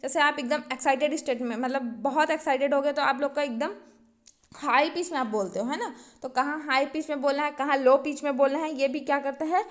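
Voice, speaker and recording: A woman's voice: sits high, brisk. A woman teaching an exam-prep lesson, reading each point from her notes, then restating it simply and checking in with the class often.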